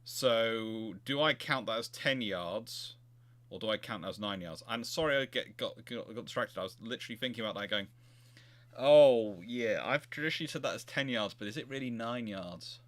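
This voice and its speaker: A man with a mid-pitched voice hosts a casual history chat. He rambles, digresses and breaks off his own sentences to restart them from another angle. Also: lively intonation, normal speed, fairly bright tone. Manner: rambling, digressive, self-interrupting. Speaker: host, naval historian.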